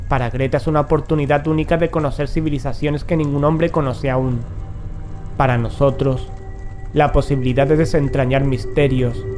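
An actor playing a grave, determined investigator in a horror audio drama, speaking solemnly. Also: male voice, medium pitch, a little mellow, natural voice. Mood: persuasive, intense. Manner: solemn, foreboding.

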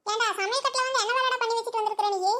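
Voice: very high voice, fairly even intonation, rapid-fire, sharp tone, a little hiss or hum. A voice actor playing a doting old village grandmother who fusses over her grandson in a comedy cartoon. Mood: complaining. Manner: fussing and scolding. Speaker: cartoon character.

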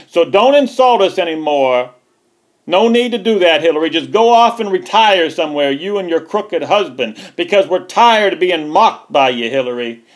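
A man hosting a political commentary video, talking in an emphatic, repetitive and heated way. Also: a little high.

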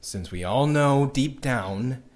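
An actor playing a bitter, hopeless man recording a diary in an audio drama, conversational, halting and cynical. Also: medium pitch, animated. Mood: bleak.

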